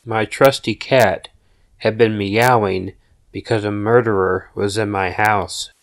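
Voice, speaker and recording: A man reading a scripted scary story as a narrator, with deliberate storytelling delivery. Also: fairly low pitch, steady tone.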